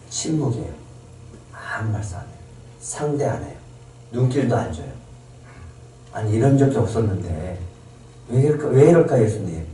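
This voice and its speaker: A male pastor with a dark, mid-range voice delivers an emphatic church sermon packed with rhetorical questions for the congregation. He's recorded from far away in an echoey hall.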